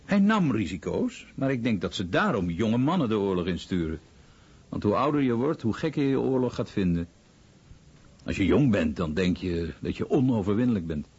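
A man with a husky voice reading translated testimony as documentary voice-over. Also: lowish voice, very animated, moderate pace, a little mellow. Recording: slightly muffled recording.

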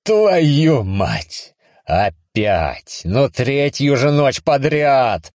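A man's voice: medium pitch, sing-song, takes it slowly, darkish tone, dry recording, studio quality, voice pushed up. Man doing a cranky foul-mouthed hungover guy. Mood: exasperated. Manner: exasperated, swearing, sarcastic. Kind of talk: audiobook reading.

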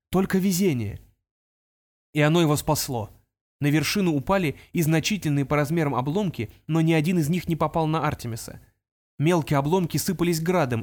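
A man's voice: fairly high pitch, a little mellow. Man narrating an audiobook dramatically.

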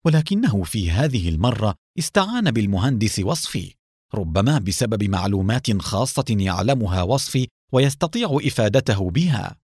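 Man doing young male teammate, thoughtful then high and loud, storybook reading, dry sound. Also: very animated, normal speed, slightly rough, no echo. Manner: high and loud when frightened.

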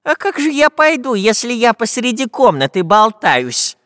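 A man's voice: very high-pitched, big pitch swings, normal speed, a bit bright, no echo, clean studio sound, pitched above the performer's own voice, exaggerated voice. A man voicing a whiny, cowardly, long-nosed male spy in a nasal, whimpering voice.

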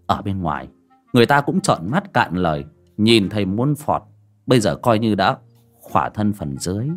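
A man narrating a dramatic folk ghost story in an expressive storytelling manner. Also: lowish voice, normal speed, faint music behind. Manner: lively, expressive.

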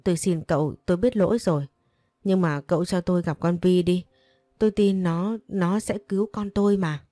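Storybook role: tearful pleading older mother, read by a woman, low mellow voice. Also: steady tone, normal speed, no room sound, clean studio sound, close to an everyday voice. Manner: begging, sobbing pleas.

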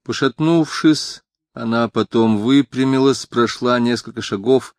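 A man narrates a novel as a literary audiobook, telling the story in a quiet, measured way. His voice is mid-range, and the studio sound is clean with no room noise.

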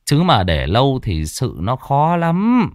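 A man's voice: medium pitch, huge pitch swings, slow pace, a little mellow, no room sound, clean studio sound, pitched above the performer's own voice. A man voicing a nervous, humble middle-aged homeowner who stammers and speaks deferentially. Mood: anxious.

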